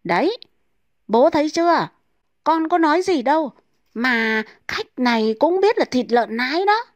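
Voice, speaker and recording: A woman's voice: high-pitched, sing-song, a little slow, no room sound, voice pushed up. A woman voicing a cheeky young boy at a market stall who blurts and argues innocently. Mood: blurting, cheeky.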